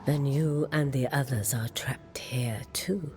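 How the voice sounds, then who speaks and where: A woman voicing an ancient, cryptic merchant in a video game, with a breathy, creaky voice and a measured, ominous delivery. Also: extremely low pitch, a little mellow, faint music behind. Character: ancient, cryptic mystical merchant warning travelers. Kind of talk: video game character acting.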